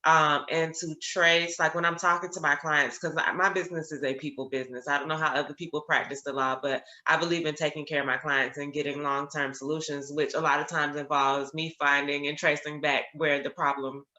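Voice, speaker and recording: A woman's voice: low voice, brisk, hardly any pauses, echoey room. A woman attorney hosting an interview show, chatting and telling stories with plenty of ums. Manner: chatty, many ums, animated when quoting others. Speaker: attorney, podcast host. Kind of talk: conversational storytelling.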